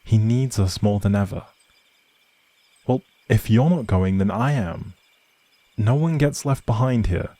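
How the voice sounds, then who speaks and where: A man playing an outlawed prince, a gentle, protective leader, in earnest dramatic roleplay audio with old-fashioned, measured phrasing and a husky, breathy voice. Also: fairly low pitch, no echo, natural voice. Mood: firm, alarmed.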